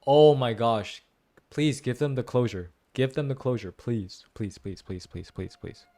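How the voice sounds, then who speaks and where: A man's voice: mid-range voice, a little slow. A man giving exclamatory reaction commentary on a game story, musing aloud as a gaming content creator. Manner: animated, exclamatory, muses aloud.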